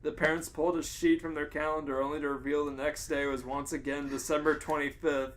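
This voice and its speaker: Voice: mid-range voice, flat delivery, brisk, slight background noise. A podcast co-host reading a comic story aloud in an amused, giggly manner.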